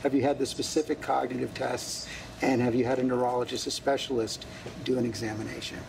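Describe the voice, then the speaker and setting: A man conducts a probing interview and keeps pressing his follow-up questions, often stumbling on the first word. His voice is gravelly with a mid-range pitch. The broadcast clip carries clear background noise. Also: level tone, a little fast. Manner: persistent, stammering on the first word. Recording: noisy archive broadcast clip.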